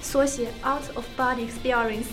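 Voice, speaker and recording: A young woman with a high, light voice chats casually with friends on a podcast. She rambles, circles back and slips into giggles. Soft music plays faintly underneath. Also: steady tone, normal speed. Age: young adult. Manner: giggly, rambling, trails off into jokes. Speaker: podcast co-host. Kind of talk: casual chat.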